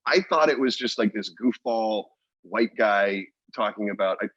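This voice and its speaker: A man's voice: fairly low pitch, normal speed, a bit bright, no echo, highs cut off. A man co-hosting a podcast, telling a story in casual chat with lots of restarts and fillers. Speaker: podcast co-host.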